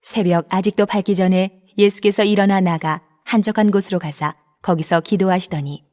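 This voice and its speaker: A woman narrating a dramatized scripture reading in a measured, even manner. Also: medium pitch. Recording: long reverb.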